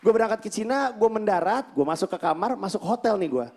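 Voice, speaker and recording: A man performing stand-up comedy on stage, telling his story in an animated way and acting out the dialogue. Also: sits high, quick pace, a faint crowd. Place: comedy stage before a live audience.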